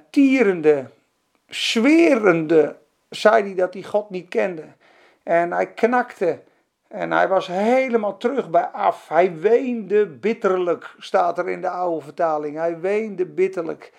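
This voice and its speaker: High, gravelly-voiced male preacher. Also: expressive, takes it slowly. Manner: fervent, conversational storytelling with asides. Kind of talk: sermon.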